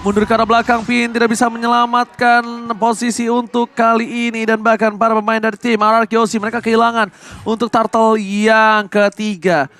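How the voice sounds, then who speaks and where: An Indonesian man doing excited play-by-play esports commentary like a fighting game announcer, mixing in English catchphrases. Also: very high-pitched, fairly quick. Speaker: esports shoutcaster.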